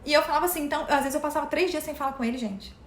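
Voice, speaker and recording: Brazilian woman, high voice, live-talk host, chatty and direct, echoey room. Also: very fast. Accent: Brazilian Portuguese. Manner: chatty, addresses viewers directly. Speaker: mental health content host. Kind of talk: casual live talk to viewers. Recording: roomy echo.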